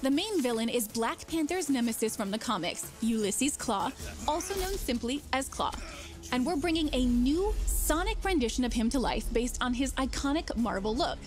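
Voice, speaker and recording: A woman's voice: high-pitched, animated, normal speed. Upbeat woman narrating a trailer over music. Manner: polished, upbeat announcer delivery. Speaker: game developer presenter in trailer. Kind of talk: scripted promotional narration. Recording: played-back trailer under music.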